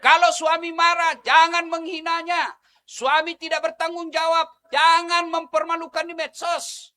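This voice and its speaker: A middle-aged man preaching a humorous sermon to a crowd, animated, acting out wives and husbands and breaking into song. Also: very high-pitched, a little slow. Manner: animated, acts out wives and husbands, sings snippets.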